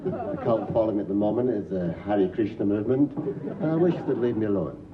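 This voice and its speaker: Deadpan comedian telling one-liners. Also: male voice, lowish voice, brisk, crowd noise. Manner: dry, deadpan. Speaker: stand-up comedian. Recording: distant muffled TV audio with audience.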